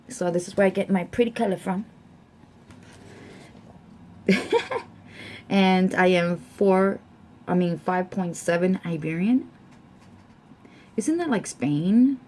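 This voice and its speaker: A young adult woman from the United States, chatting casually to camera and reading out her results slowly, with many fillers. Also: on the low side, darkish tone. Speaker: vlogger.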